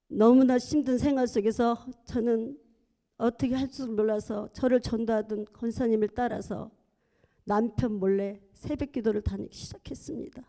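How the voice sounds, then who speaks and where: A woman's voice: on the high side, steady tone, normal speed, dark tone. A middle-aged woman, a church deaconess, giving a heartfelt testimony in a church sanctuary, earnest and at times fervent.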